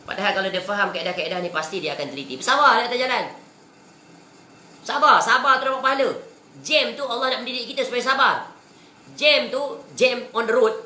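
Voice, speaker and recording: A woman's voice: on the high side, bright, forceful tone, slight background noise. A woman with a Malaysian Malay accent giving a religious lecture, asking her listeners rhetorical questions and mixing in English words. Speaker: religious teacher. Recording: echoey room.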